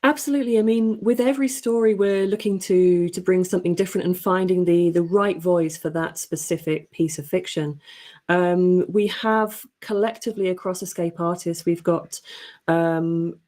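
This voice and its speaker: Female panelist, mellow and fairly low, articulate and earnest in discussion. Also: steady tone, normal speed. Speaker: podcast editor, panelist. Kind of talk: considered panel discussion talk.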